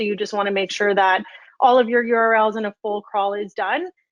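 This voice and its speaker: A woman's fairly high voice at a fairly quick pace, with fairly even intonation, over a quiet background. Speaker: software company representative. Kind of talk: product explanation. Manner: fast.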